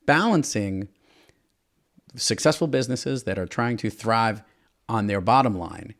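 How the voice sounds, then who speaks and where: A man hosting a podcast interview, upbeat and emphatic, with playful asides. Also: lowish voice. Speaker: podcast host.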